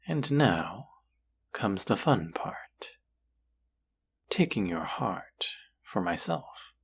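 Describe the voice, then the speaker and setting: A man's voice: very animated, drawn-out words, exaggerated voice. A man voicing a possessive, seductive demon in an intimate audio roleplay, teasing and menacing, often dropping to a whisper. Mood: possessive, hungry. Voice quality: low, husky, gravelly. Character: possessive, seductive demon who craves human hearts.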